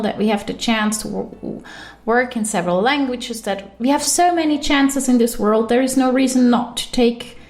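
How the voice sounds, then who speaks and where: This is a woman's solo podcast monologue: she's an intuition coach and the show's host, with a Swiss German accent. Her delivery is animated, her voice lifting quickly in pitch to underline key points.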